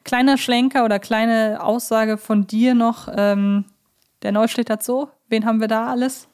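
A woman's voice: on the high side, steady tone, normal speed, darkish tone, smooth. A woman hosting a fan podcast in a conversational style, phrasing her thoughts carefully and correcting herself as she goes. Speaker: podcast host.

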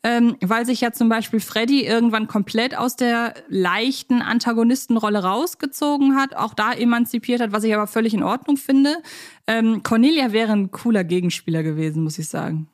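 A woman's voice: on the high side, a little fast. A woman co-hosting a casual fan podcast, chatting in long, rambling asides. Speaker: podcast co-host.

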